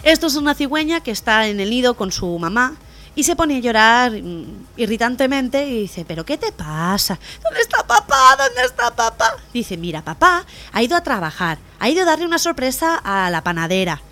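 A woman co-hosting a community radio comedy show, telling jokes with animated storytelling and laughing along. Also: fairly high pitch, brisk. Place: radio studio.

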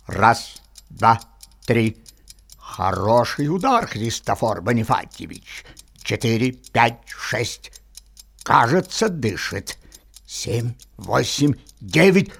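Excitable sidekick referee, husky voice, very slow drawn-out calls, theatrical audio play. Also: male voice, medium pitch, heavily acted. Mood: counting, awed. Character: scrappy, excitable male sidekick acting as boxing referee.

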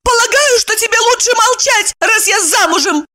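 A woman's voice: normal speed, bright, forceful tone. A woman voicing a hysterical young married woman who screams and sobs in desperate, dramatic outbursts. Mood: indignant. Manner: shrill, screaming, sobbing outbursts.

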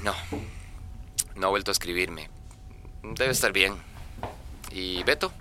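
A man's voice: low-pitched, takes it slowly, sharp tone, slight background noise, heavily acted. A resigned small-town man. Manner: resigned, matter-of-fact. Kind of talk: radio drama acting.

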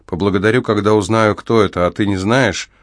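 Audiobook: man reading shy, weak young male prisoner, low and hesitant. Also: fairly even intonation, brisk, dry recording, clean studio sound, natural voice. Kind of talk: audiobook character voice.

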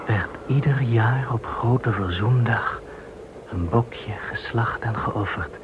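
A man in a radio play acting a devout Jewish man facing deportation, telling things in a solemn, measured way. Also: medium pitch, lightly acted. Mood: solemn explaining. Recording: muffled phone-like band, clear hiss.

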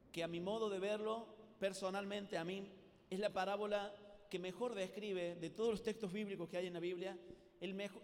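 Cordoba argentine guy preaching to teens, high voice, long echo in a big hall. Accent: Córdoba Argentine Spanish. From Córdoba, Argentina. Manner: animated showman, acts out scenes. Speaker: Catholic youth preacher. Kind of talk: lively retreat sermon.

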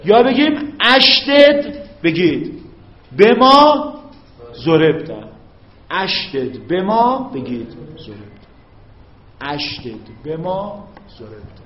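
High-voiced man teaching grammar in an echoey room. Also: sing-song. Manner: drawn-out recited Arabic examples, frequent check-ins with students. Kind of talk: classroom grammar lesson. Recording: muffled, echoey classroom recording.

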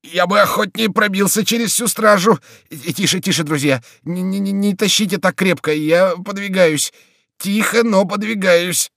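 A man's voice: high voice, moderate pace, creaky, a bit bright, no room sound, studio quality, voice pushed up, full character voice. A man voicing a stout, proud nobleman who is out of breath and forcing out strained, gasping exclamations. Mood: straining.

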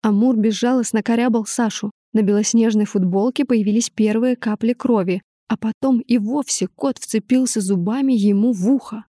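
A woman narrating a first-person audiobook in an even, measured way. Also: a little high, no room sound, clean studio sound.

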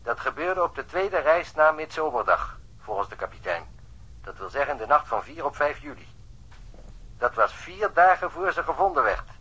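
A man's voice: a little high, sing-song, moderate pace, sharp tone, breathy edge, full character voice, poor audio. An actor playing a diligent provincial policeman earnestly reporting his findings in a radio drama. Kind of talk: Dutch radio drama acting.

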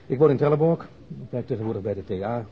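A man's voice: medium pitch, lively intonation, natural voice. A man playing a hesitant, apologetic ex-convict turned reporter in a radio drama. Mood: earnest. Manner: hesitant, apologetic, halting starts. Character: nervous, humbled male ex-convict turned provincial reporter. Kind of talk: Dutch radio drama dialogue. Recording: dull, noisy lo-fi radio drama recording.

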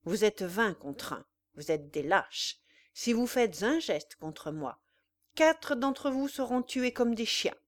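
A cold, contemptuous young gentleman, as a woman reads him. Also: mid-range voice, animated, slow, no room sound. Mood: threatening.

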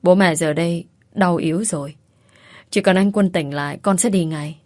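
A woman voicing a young mother who pleads softly and tearfully. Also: on the low side, normal speed, no echo, studio quality, natural voice. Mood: pleading.

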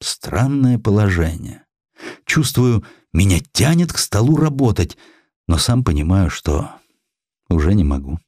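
A man playing a wry elderly general-editor, animated. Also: lowish voice, measured pace, no echo. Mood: weary. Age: older.

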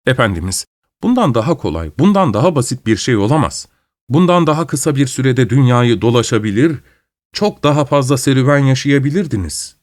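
A man voicing a calm, cold manservant who patiently explains things. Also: mid-range voice, fairly quick, dry recording, clean studio sound, lightly acted. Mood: cool. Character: cool, superior manservant who is secretly a good angel.

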